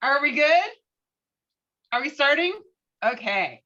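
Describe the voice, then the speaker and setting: A woman's voice: high voice, animated, slow, sharp tone. A woman chatting casually over a lo-fi video call as she takes part in a group script read. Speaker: actor and narrator in a table read. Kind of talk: casual chat. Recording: dull, lo-fi video call audio.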